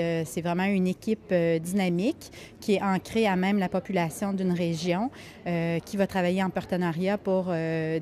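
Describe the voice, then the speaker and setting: Quebec woman in her thirties, low mellow voice, hesitant, lots of euh. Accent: Quebec French. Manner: hesitant, many fillers. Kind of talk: vox pop interview answer.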